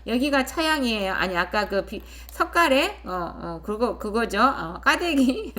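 A woman's voice: medium pitch, bright, forceful tone. A woman hosting a property channel, explaining a listing in a conversational way and often checking in with viewers. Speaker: host of a rural real-estate channel. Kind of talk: casual explanatory narration of property listing and photos.

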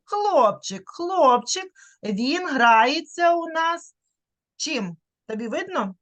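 A woman teaching a young child to read over a video call, her voice high and full of swooping, lively melody. She demonstrates each vowel by drawing it out, then nudges the child along with patient little questions. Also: slow. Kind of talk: online literacy lesson for a young child.

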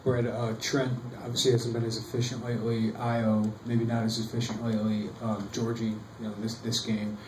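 A man's voice: mid-range voice, level tone, normal speed, few pauses. A man, a reporter, asking questions at a press conference. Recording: distant, echoey room, faint noise.

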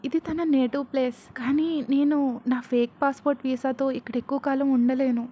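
A fiery young woman scolds with affection, as a woman narrator voices her. Her voice sits high and sharp in the register of a spoken storybook. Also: natural voice.

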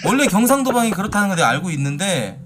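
A man in his thirties, a streamer in a heated voice chat, brash and taunting and swearing a lot, speaking from a home room into a studio mic on a boom arm. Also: sing-song, quick pace, fairly bright tone, slight background noise. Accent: mock Gyeongsang dialect.

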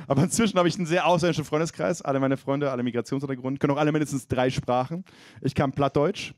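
A man in his thirties from East Frisia performs stand-up into a handheld mic, chatting with the crowd and poking fun at himself. His voice sits a little higher than most men's. The sound is dry and close. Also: fairly even intonation, fast talker, no echo. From East Frisia, Germany. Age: 30s. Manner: self-mocking, conversational with crowd. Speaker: stand-up comedian. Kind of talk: stand-up set.

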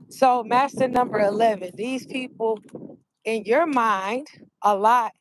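A woman's voice: fairly high pitch, no room sound. A woman in her thirties from Texas with a Texan accent, chatting with viewers on a phone while walking outside. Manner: chatty, talks to viewers, explains numerology. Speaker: vlogger. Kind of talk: casual livestream chat. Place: outdoors on a sunny street. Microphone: phone held at arm's length.

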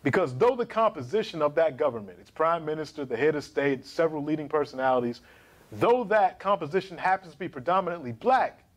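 A man in his thirties giving an emphatic, animated history lecture to camera in a small studio. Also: fairly high pitch, a little fast. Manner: animated, emphatic, gesturing while pacing.

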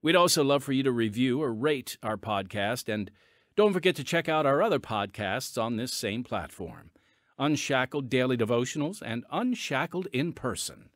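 A man hosting a Christian audio drama podcast, reading scripted announcements in an earnest, measured way. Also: medium pitch, lively intonation, a bit bright, no echo, clean studio sound. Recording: music bed underneath.

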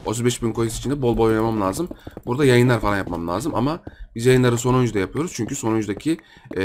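Young Turkish man, casual let's-play commentary, mid pitch, chatty, faint background music. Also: darkish tone. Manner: chatty, addresses viewers as friends, thinks aloud while playing. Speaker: gaming YouTuber.

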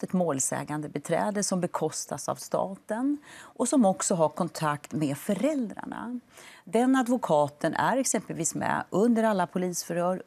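A woman in her forties speaks as a lawyer on a morning TV show. Her voice sits a little low, and she explains each point in a measured, firm manner. The sound is clean and close, from a lapel mic in a TV studio. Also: gravelly, a little mellow, breathy edge. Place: TV studio set.

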